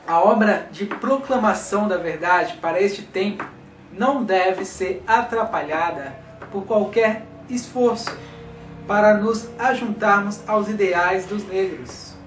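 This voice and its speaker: Male reader, high voice, measured and formal; off-mic, roomy, faint music. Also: distant mic. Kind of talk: reading a text aloud.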